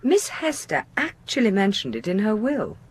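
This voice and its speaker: An actress playing a genteel, expressive wife with an English accent and a breathy, husky voice in a 1980s radio drama. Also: female voice, medium pitch, normal speed. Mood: intrigued.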